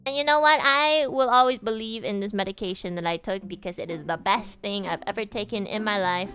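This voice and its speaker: A young woman streamer telling a story in casual chat, animated and swearing, loudly acting out her past self. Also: medium pitch, brisk, faint music behind.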